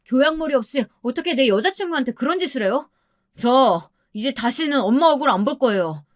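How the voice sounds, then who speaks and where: A woman's voice: mid-range voice, animated, a little fast, no room sound, studio quality, lightly acted. A woman voicing an anxious young boyfriend who talks urgently and pleads. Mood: indignant.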